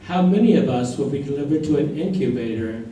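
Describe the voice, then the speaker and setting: A man's voice: medium pitch, expressive, brisk, warm tone, lightly acted. A man reading the part of a philosophizing chorus member in a staged play reading. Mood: solemn questioning. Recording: distant, very echoey hall, faint noise.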